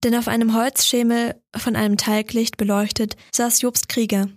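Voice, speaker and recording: Woman reading a christmas story, bit high voice, calm and measured, dry close sound. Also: no echo. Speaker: reader. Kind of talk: audiobook narration of a Christmas story.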